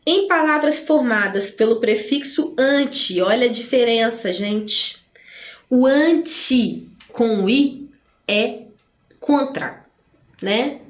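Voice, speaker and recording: A Brazilian woman teaching a grammar lesson, explaining in a chatty way and stretching words slowly to stress them. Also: on the high side, echoey room.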